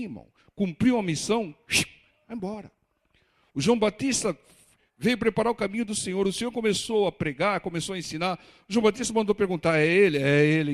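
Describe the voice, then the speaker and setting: Male preacher, higher-pitched, emphatic sermon delivery. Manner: emphatic, rhetorical questions, sudden rises in pitch and loudness.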